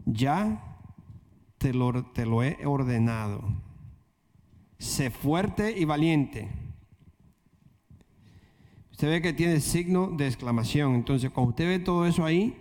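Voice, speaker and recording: A man's voice: a little high, expressive, takes it slowly, pauses often, a little mellow. Preaching man, echo of a big hall. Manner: earnest preaching, repeats phrases, many fillers. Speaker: pastor. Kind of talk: sermon and prayer. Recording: long hall reverb.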